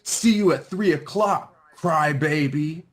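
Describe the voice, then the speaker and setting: Man voicing a jeering schoolboy bully, raised pitch. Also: slow pace. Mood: mocking, threatening. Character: mean taunting schoolboy bully.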